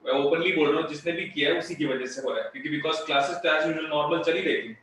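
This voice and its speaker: A fairly high-pitched, fairly quick man teaches a live online electronics class from a studio, speaking in a firm, blunt manner. His voice sounds far from the mic and is drenched in heavy echo, like shouting in a canyon. The echoey, distant studio mic also picks up faint noise.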